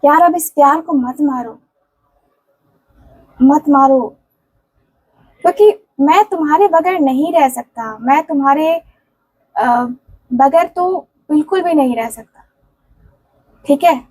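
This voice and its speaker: A woman's voice: high-pitched, slow pace, pauses often, darkish tone, poor audio. A woman tarot reader speaking a channeled love message in the first person, earnest and pleading, repeating herself with casual fillers. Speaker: tarot and candle wax reader.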